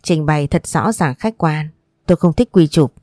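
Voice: medium pitch, normal speed, darkish tone, dry recording, clean studio sound, lightly acted. A storyteller voicing a strict mother-in-law who lectures firmly. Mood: stern. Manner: firm and lecturing.

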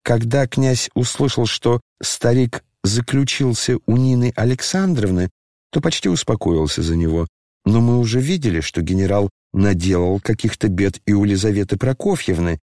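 A man narrating a classic novel as an audiobook, in an even, measured way. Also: fairly low pitch, no room sound, clean studio sound.

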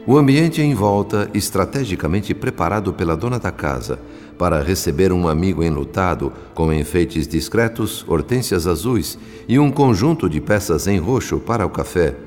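A man with a deep voice narrates a radio drama in formal, literary language. The delivery is measured and carries a long reverb, over faint music. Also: a little mellow.

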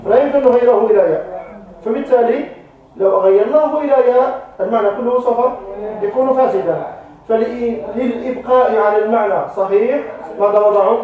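A man's voice: very high voice, fairly quick, phone-quality sound. A man teaching a grammar class. He quizzes the students and repeats the key terms. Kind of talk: classroom lesson. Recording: echoey classroom, mic far off.

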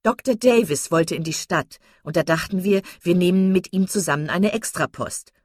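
A woman's voice: fairly low pitch, moderate pace, darkish tone, dry recording, studio quality, lightly acted. A woman voicing a silly, vain young woman who talks in an affected, simpering way.

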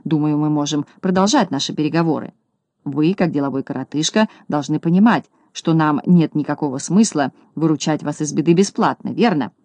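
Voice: medium pitch, fairly quick, a little mellow, no room sound, close to an everyday voice. A slick male swindler talks in a polished, falsely courteous way, as a storybook reader puts him on. The recording is close and dry. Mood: smooth. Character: smooth-talking male swindler, mock-polite. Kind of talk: audiobook narration.

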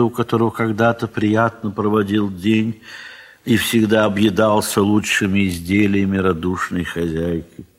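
A man narrating a literary audio drama in measured, dramatic phrases with long pauses. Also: fairly low pitch.

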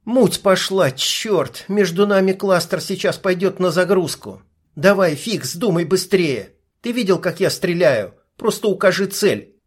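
A man's voice: high voice, expressive, a little slow, husky, pitched above the performer's own voice, heavily acted. A man voicing a brash female sniper. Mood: impatient. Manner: brash, clipped, swears. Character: tough young female sniper, blunt and tense.

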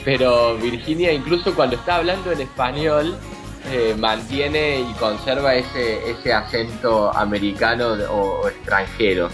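A man with an Argentine Spanish accent, co-hosting a casual chat about a TV show, enthusiastic and repeating words as he thinks. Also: mid-range voice. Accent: Rioplatense Spanish. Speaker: co-host.

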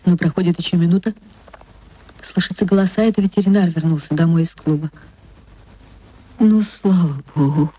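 A woman narrating a classic short story for an archive radio reading in a tender, unhurried way, slowing down at reflective passages. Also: on the low side, mellow, slightly rough, low-quality recording.

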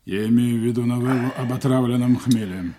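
An actor playing a suave, menacing secret agent in an audio drama, sly and mockingly courteous in a theatrical way. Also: male voice, medium pitch, brisk, dark tone, slight background noise, lightly acted. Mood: sly, controlled. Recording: music behind the voice.

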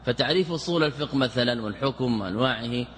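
A man giving a deliberate classical Arabic lesson, explaining grammar point by point and repeating key words. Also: medium pitch, a bit bright, long reverb tail, a little hiss or hum. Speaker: Islamic scholar teaching grammar.

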